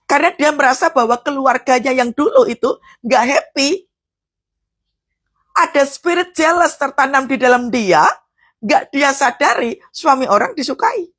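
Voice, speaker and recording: A woman's voice: high-pitched, animated, normal speed, fairly bright tone. A woman preacher, giving a live devotional sermon and telling stories to her listeners, whom she often calls brothers and sisters.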